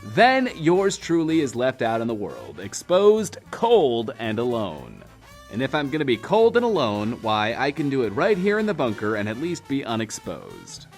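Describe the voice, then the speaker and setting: An actor playing a self-important, wordy, lonely radio host in a post-apocalyptic bunker, in an audio drama. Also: male voice, medium pitch, wildly swooping pitch, normal speed, soft background music. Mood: showy, defensive. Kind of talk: in-world radio show monologue, audio drama.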